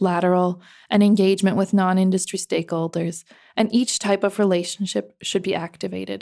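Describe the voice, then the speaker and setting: A woman with an American accent, a dark, mellow tone, and a moderate pace, in a very clean recording with a silent background. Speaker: podcast host, former garment factory manager. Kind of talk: keynote speech. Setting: conference stage with audience.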